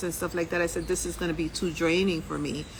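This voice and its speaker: This woman speaks at a medium pitch with a bright, sharp tone and a slight New York accent. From New York City, Puerto Rican family. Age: 60s. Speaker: business coach. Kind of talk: live stream talk. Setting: livestream, wearing earbuds.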